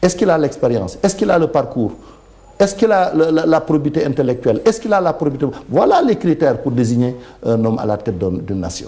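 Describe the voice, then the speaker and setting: Very wide pitch swings mark a man's fairly high, dark and mellow voice with vocal fry, delivered at a very fast pace. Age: 60s. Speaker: politician. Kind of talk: TV interview. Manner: animated.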